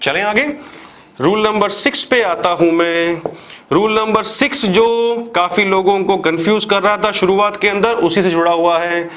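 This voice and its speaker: A man's voice: high voice, unhurried, fairly bright tone. A man with an Indian accent teaching a grammar lesson for exam students, asking questions and answering them himself, repeating examples step by step. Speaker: English teacher for exam prep. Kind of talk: classroom lecture.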